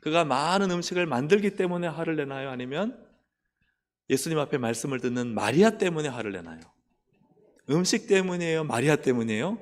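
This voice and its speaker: A male pastor preaching a lively sermon, putting questions to the congregation. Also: medium pitch. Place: church sanctuary. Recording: long church hall reverb.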